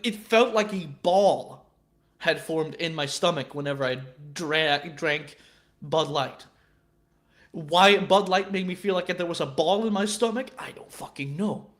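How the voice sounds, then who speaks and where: A young man in his twenties rambles through a casual live-stream chat. His voice sits a bit high for a man. He swears freely and keeps tripping over stammered restarts. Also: unhurried, a bit bright. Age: 20s.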